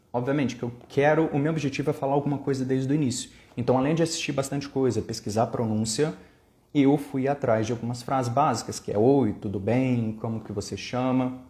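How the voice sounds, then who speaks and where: A man's voice: medium pitch, a little mellow. Chatty Brazilian man in an echoey room. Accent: Brazilian Portuguese. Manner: chatty, explains step by step with examples. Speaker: language-learning vlogger. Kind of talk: casual explanatory vlog.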